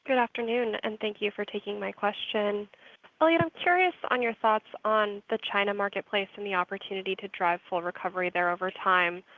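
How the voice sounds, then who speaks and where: A woman analyst asks a polite, precise question on a conference call. She speaks quickly. Her voice comes through thin and tinny, like a phone line. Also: medium pitch.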